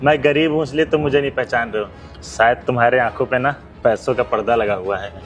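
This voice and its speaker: A man's voice: medium pitch, fairly quick, dull audio, natural voice. A man playing a poor, disabled childhood friend who speaks in a heartfelt, pleading way in an amateur skit. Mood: hurt.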